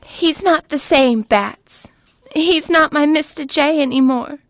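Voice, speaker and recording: A woman's voice: high-pitched, takes it slowly, dry recording, studio quality. An actress playing a girlish, lovesick but cheeky young villain sidekick in an audio drama, in a cutesy manner. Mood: anxious.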